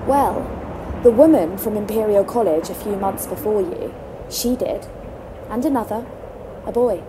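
A woman playing a kindly, reflective, gently stubborn veteran Arctic scientist in an audio drama. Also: mid-range voice, unhurried, natural voice. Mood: wistful. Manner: motherly, reflective, reassuring. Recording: noisy stormy outdoor ambience.

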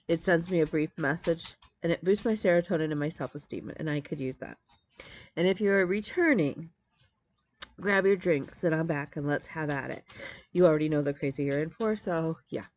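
This Metro Detroit crafting vlogger, a woman in her forties, sits in her indoor home craft room chatting loosely to a desk webcam. Her low, darkish voice is congested and nasal and moves at normal speed. She wanders off topic often, with many ums and restarts.

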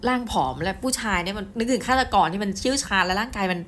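A middle-aged woman giving a casual book review, chatty and excitable, often speaking straight to her viewers. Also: mid-range voice, rapid-fire, slight background noise. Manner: chatty, addresses viewers directly, excitable storytelling.

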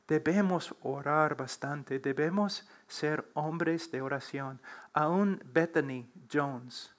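A middle-aged man speaks slowly and deliberately, his voice sitting a little high. He talks like a preacher, earnest and pressing, and he is seated on a church platform. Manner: slow, earnest, preacherly, building to emphatic exhortation. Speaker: guest preacher on a panel. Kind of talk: answering questions on a church panel. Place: church platform, seated before a large wooden cross.

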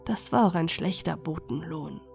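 Gentle woman reading a bedtime fairy tale. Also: sits low, normal speed, creaky, slightly rough, soft background music. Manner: gentle, soothing. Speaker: storyteller. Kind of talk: calm bedtime storybook narration.

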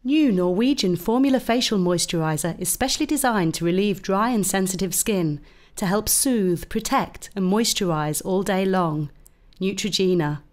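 A woman's voice: medium pitch, moderate pace. A British woman voice actor delivering a scripted commercial voice-over.

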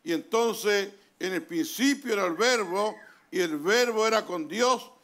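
A man with a Chilean accent, a pastor preaching a sermon in a church hall, pausing often and calling for amens. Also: high voice, fairly bright tone. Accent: Chilean Spanish. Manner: deliberate preaching with pauses, calls of amen. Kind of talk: sermon reading from a translated message.

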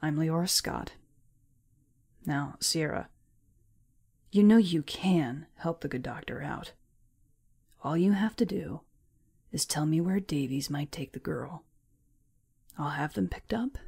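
A menacing female spy chief acted by a woman in an audio drama. Her voice is lowish and husky with plenty of gravel. She threatens with cool, taunting politeness. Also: darkish tone, exaggerated voice. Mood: falsely polite, threatening. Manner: smooth taunting politeness, deliberate.

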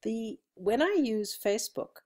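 A woman's voice: a little high, animated, measured pace, darkish tone. South African woman instructor, chatty. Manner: conversational, with frequent ums and restarts. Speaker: college instructor. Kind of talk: friendly self-introduction screencast. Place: indoors at a computer, seated. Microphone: webcam recording.

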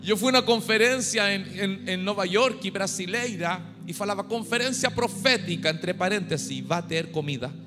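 A middle-aged Chilean man preaches on a large church stage with a handheld mic, his Spanish accent showing as he jokes and rallies the crowd. His voice sits a little high. A long hall reverb trails his words, and clear music plays underneath. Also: lively intonation, normal speed, few pauses. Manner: humorous, mixes Spanish into Portuguese, rouses the crowd to shout. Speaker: guest pastor. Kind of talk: sermon.

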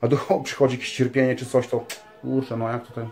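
A man's voice: mid-range voice, little pitch movement, brisk, a little mellow, faint music behind. A man speaking earnestly in a casual spiritual monologue, rambling with many fillers and tag questions and calling his listeners dear ones. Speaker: religious vlogger.

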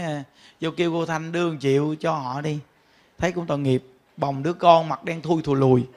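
A man, a Buddhist monk giving a sermon, telling stories with frequent laughter and speaking straight to his listeners. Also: fairly high pitch. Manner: animated storytelling, laughs often, addresses the audience directly.

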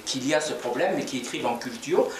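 A man's voice: mid-range voice, quick pace. Kabyle-born man talking from afar. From Algeria, Kabylie. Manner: reflective, gestures while talking, many hesitations. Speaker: novelist interviewee. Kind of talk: earnest interview answers. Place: small office indoors. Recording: echoey room from far off, crowd murmur.

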